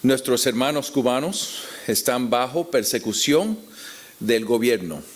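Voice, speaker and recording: A man with a Puerto Rican Spanish accent teaching the Bible to an audience in a deliberate, explanatory way with rhetorical questions. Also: mid-range voice, animated. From Puerto Rico. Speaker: preacher teaching at a conference.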